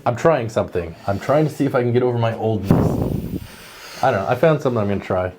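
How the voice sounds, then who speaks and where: A middle-aged man co-hosting a relaxed chat, reading out viewer comments with a playful edge. He laughs often. His pitch sits in an ordinary middle range. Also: fast, slight background noise, low-quality recording. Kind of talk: casual chat.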